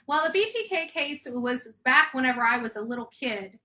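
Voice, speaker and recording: Bright, high-voiced woman hosting a call-in. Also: lively intonation, normal speed. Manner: rambling, with many restarts. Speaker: true crime show host. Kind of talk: live call-in chat.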